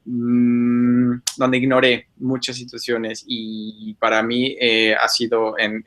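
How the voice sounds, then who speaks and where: A man hosting a live video call, talking in a relaxed, conversational way and dropping playful sound words into his points. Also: mid-range voice. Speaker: host. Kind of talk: casual coaching talk.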